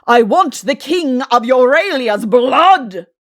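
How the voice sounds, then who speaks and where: In a comic audiobook, a woman voices a vain, vengeful king, curt and haughty, with heavy, cold emphasis and an air of cold outrage. Her voice sits high, above her own natural pitch, with lively intonation at a slow pace. The sound is clean studio audio with no room sound.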